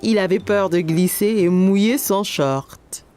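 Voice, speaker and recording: A woman playing a kindly narrator, telling a children's cartoon story in a gentle, expressive way. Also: mid-range voice, measured pace, faint music behind, lightly acted. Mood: gentle storytelling.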